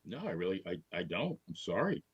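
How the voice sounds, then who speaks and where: A man's voice: deep voice, big pitch swings, a little fast, breathy edge, no room sound, lo-fi sound. A man who is a radio personality, talking as a guest on a live show in a polite, slightly hesitant way. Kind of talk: casual live show chat.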